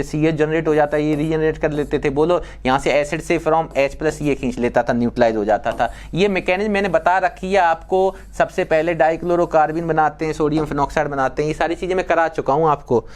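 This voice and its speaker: A man's voice: on the high side, steady tone, brisk, few pauses. Chatty male chemistry teacher. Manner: chatty, acts out dialogues with students and molecules. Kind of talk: exam-prep lecture.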